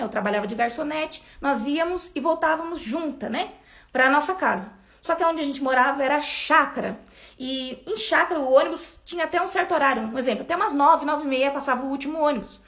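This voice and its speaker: A woman in her twenties with a Brazilian accent, telling a personal faith testimony as a church member, with animated storytelling and repeated words. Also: high-pitched. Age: 20s.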